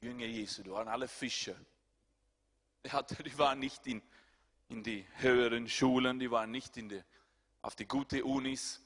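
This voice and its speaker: A male pastor, preaching a sermon and swinging between loud, high-pitched appeals and quiet, low asides. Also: fairly even intonation, moderate pace, pauses often. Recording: hall reverb.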